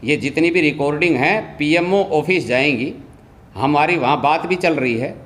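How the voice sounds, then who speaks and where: A man's voice: a little high, normal speed, fairly bright tone. A man speaking as a local politician making a statement to reporters, insistent, repetitive and accusatory. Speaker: local politician and anti-corruption campaigner.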